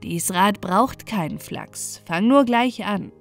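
A woman's voice: mid-range voice, lively intonation, takes it slowly, creaky, faint music behind. A woman voicing a tiny enchanted male pond dwarf in an earnest, sing-song storybook manner. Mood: eager.

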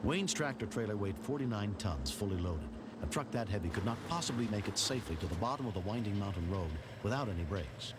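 A man's voice: fairly low pitch, animated, quick pace. A man giving scripted documentary narration in a dramatic manner. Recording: loud background noise.

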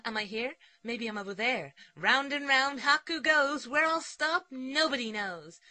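A man's voice: very high voice, animated, unhurried, pushed and bright, dry recording, heavily acted. A man voicing a vain, flamboyant young fighter in a fan parody dub, taunting in a sing-song way.

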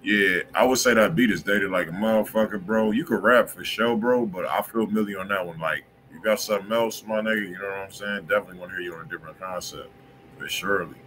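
Brief: very deep male host, crisp forceful edge, relaxed slangy chat, faint room hum. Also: fast, poor audio. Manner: laid-back, slangy, agreeable. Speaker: music review stream host. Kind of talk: casual live stream chat.

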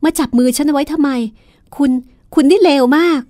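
A woman's voice: high voice, fairly quick, warm tone, no echo, studio quality, faint music behind, pitched above the performer's own voice, lightly acted. A woman reading aloud and voicing a frightened, indignant young woman who pleads in a raised voice. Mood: outraged.

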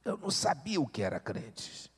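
A man, a pastor preaching a sermon with repeated rhetorical questions that build to loud exhortation. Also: medium pitch, big pitch swings, normal speed, slightly rough. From Brazil. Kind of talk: church sermon. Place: church sanctuary. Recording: echoey church hall.

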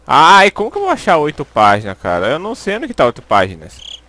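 A man's voice: on the high side, huge pitch swings, a little fast, sharp tone, a little hiss or hum. A young Brazilian man with a Brazilian Portuguese accent giving jumpy, swearing commentary as he plays a horror game into a headset. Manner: jumpy, swearing, panicky pleading. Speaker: gaming YouTuber.

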